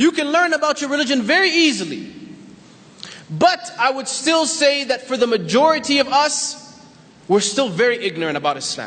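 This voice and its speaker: Lively intonation over noticeable background noise. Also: man, extremely high pitch for a man. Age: young. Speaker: spoken word poet. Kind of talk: motivational talk. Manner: fast.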